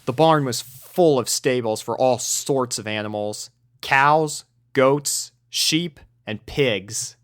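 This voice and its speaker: A man narrating a fan-written pony story in a steady storybook manner. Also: medium pitch, slow pace, no echo, clean studio sound. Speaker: fanfic reader.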